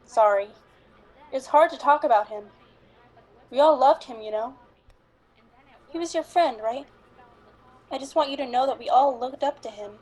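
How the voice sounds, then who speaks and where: A woman playing an earnest, apologetic police officer who mourns a colleague, speaking haltingly in an amateur radio drama. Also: high-pitched, a little mellow, low-quality recording. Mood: earnest, sorrowful.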